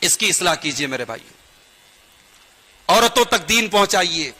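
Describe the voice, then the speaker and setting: High, bright-voiced man preaching in a hall. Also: big pitch swings, normal speed. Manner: earnest, pleading and admonishing; rhythmic rising emphasis with sing-song repetition. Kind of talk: sermon to a gathering. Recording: long hall reverb.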